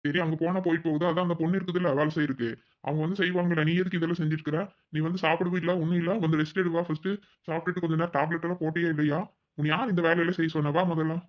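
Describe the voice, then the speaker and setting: In cartoon voice acting, a performer plays a caring young village husband who fusses and nags out of concern. The voice is mid-range, flat, and rapid-fire, close to everyday speech, with the highs cut off.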